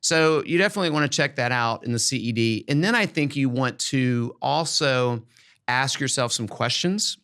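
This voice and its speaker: Speaking at a normal speed with a clean, fairly bright, mid-range voice, a male podcast host who's an education expert gives folksy, emphatic, encouraging teaching tips in a casual way.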